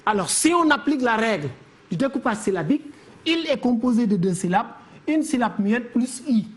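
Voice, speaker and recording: A woman teacher giving a televised literature lesson, counting syllables slowly and deliberately. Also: fairly high pitch, very animated.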